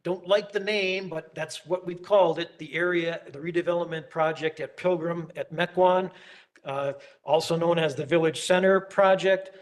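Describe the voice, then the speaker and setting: A man who is losing his voice gives a staff presentation at a public planning meeting, halting and full of ums and uhs. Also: a little high. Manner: halting, filler-heavy, with many ums and uhs.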